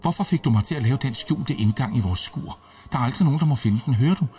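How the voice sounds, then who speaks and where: A man voicing a feverish, delirious army major who pleads and shouts in agitation. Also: mid-range voice, animated, distant mic, soft background music, voice pushed up, lightly acted. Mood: frantic.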